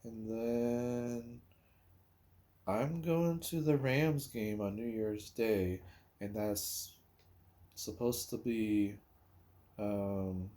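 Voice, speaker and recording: A man talks casually about sports at a slow, unhurried pace. His voice is mellow and relaxed, and he rambles hesitantly, pausing as he thinks out loud like a solo podcast host. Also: on the low side. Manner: rambling, hesitant, pauses while recalling and counting.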